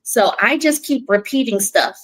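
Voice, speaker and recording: A woman in her mid forties co-hosting a casual live chat, talking in a relaxed way with frequent ums and catchy phrases. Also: fairly high pitch, moderate pace, poor audio. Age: 40s. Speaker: co-host.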